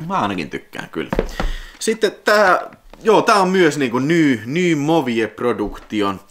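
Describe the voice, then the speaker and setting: A man with a Finnish accent chatting casually as he unboxes videotapes in his vlog, excitable and prone to sudden high whoops. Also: a little hiss or hum. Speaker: video collector vlogger.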